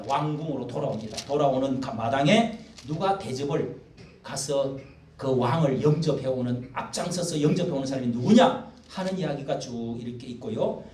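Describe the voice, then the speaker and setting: An older man preaching a sermon as pastor, talking in a folksy, animated way and acting out the quotes he reads. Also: mid-range voice. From South Korea. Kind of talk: expository sermon. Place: church hall. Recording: echoey room, mic at a distance.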